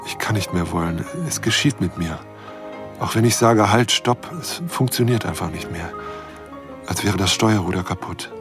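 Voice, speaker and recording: An actor playing a lonely, lovestruck middle-aged astronomer, brooding and confessing in a radio drama. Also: male voice, deep voice, moderate pace, music in the background, close to an everyday voice. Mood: confessional, yearning.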